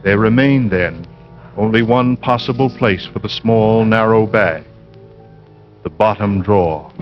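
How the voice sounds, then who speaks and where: A man narrating a 1940s radio suspense drama in a measured, suspenseful way. Dull vintage radio recording. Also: fairly low pitch, faint music behind.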